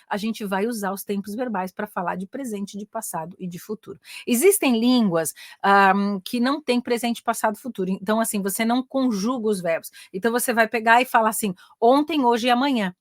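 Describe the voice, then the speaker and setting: Brazilian lady teaching english online, kinda high voice, dry sound, lots of "né?". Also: no echo. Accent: Brazilian Portuguese. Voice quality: chatty, frequent "né?" tags. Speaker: English teacher and career mentor. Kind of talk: casual online lesson.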